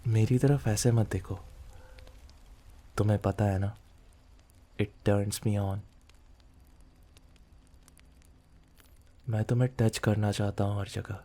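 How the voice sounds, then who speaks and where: A possessive mafia boss, acted out by a man in an intimate ASMR roleplay. His voice is low and very mellow, with a seductive, commanding murmur. He is dominant, teasing and obsessive toward his lover. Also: fairly even intonation, a little slow, long pauses, close to an everyday voice.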